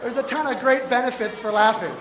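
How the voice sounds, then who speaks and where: A man delivers a humorous motivational talk to a live audience in an event hall, his voice sitting high for a man. He is playful and keeps slipping into exaggerated comic voices. The room is echoey, with faint noise in the background. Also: a little fast, crowd noise. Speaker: motivational speaker.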